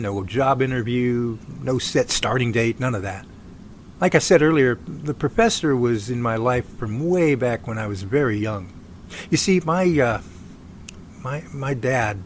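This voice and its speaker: A man acting as an earnest, folksy research team leader in an audio drama. He speaks haltingly at a medium pitch, with noticeable background noise on the homemade recording. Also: lightly acted. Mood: reflective, earnest. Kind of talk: amateur audio drama dialogue.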